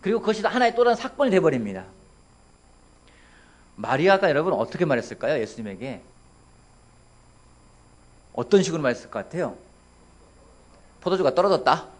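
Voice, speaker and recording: Male pastor in his thirties, animated sermon delivery, questioning the congregation. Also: fairly high pitch, fairly quick, long pauses. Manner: lively, asks the congregation questions, playful voices for quotes. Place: church sanctuary.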